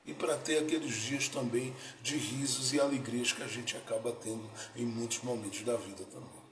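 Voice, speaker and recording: A man preaching a sermon as pastor, building to emphatic peaks and then dropping soft. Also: mid-range voice, fairly even intonation, moderate pace, a little hiss or hum. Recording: echoey room, faint ambience.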